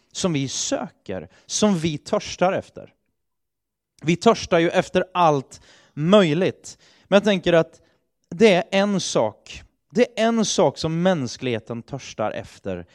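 A man's voice: a little high, no echo, studio quality. A man giving a sermon in a conversational manner, with many fillers and restarts. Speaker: preacher.

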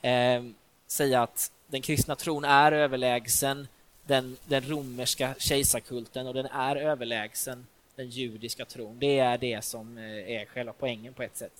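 A man's voice: mid-range voice, little pitch movement. A man preaching a sermon in a church, talking informally with fillers and restarts.

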